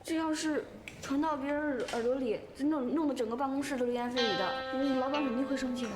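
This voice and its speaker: A woman's voice: high-pitched, quick pace, natural voice. An actress playing a naive, good-natured young office girl who talks earnestly and gets flustered. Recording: TV drama soundtrack with clear music.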